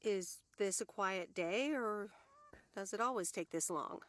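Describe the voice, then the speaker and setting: A woman's voice: mid-range voice, measured pace, a bit bright, natural voice. An actress playing a curious, restless younger woman in a video game.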